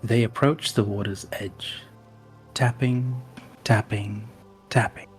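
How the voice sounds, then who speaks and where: A man in a tabletop game session tells a dark legend in character. His low voice moves slowly and dramatically, leaning into the ominous moments, with faint music underneath. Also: fairly even intonation. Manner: slow, dramatic, ominous storyteller delivery. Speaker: player.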